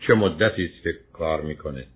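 A man with a husky voice, a radio advice host who probes with questions and interrupts insistently. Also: extremely low pitch. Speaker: advice show host addressed as doctor. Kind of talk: question-and-answer counselling on radio. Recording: muffled, thin phone-like radio sound.

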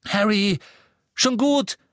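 Male reader playing a panicky young witch in a storybook: shrill, hurried, dry close sound. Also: dry recording. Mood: alarmed. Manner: urgent, high-pitched and loud, stammering. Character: anxious young witch, caring and frightened.

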